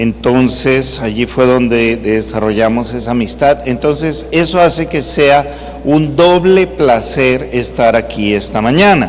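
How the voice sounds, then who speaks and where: At a fairly slow pace, a man speaks with audible room echo and noticeable background noise. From Peru, Lima. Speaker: guest preacher. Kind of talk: sermon. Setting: church.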